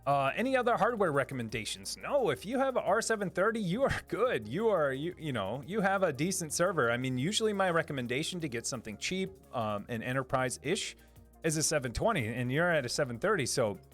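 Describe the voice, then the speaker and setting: A man hosting a live stream and answering chat in a rambling, upbeat way, with lots of fillers and restarts. His voice is a little lower than usual today. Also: very animated, a little fast, a bit bright, soft background music.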